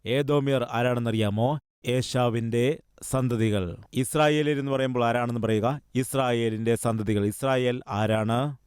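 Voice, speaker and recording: A man's voice: medium pitch, fairly even intonation, unhurried, a little mellow, smooth, dry recording, clean studio sound. A man preaching a sermon, putting one question after another to his listeners and appealing to them earnestly.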